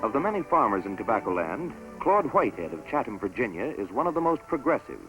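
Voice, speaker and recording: A man giving scripted narration for a promotional documentary film in a measured, stately announcer delivery. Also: mid-range voice, sing-song, a bit bright, rough recording. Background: orchestral music score.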